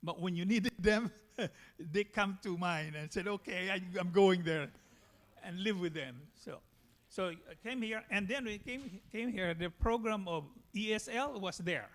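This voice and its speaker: A man from the Philippines with a Filipino accent, giving a personal church testimony in a halting way. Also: high voice, fairly bright tone.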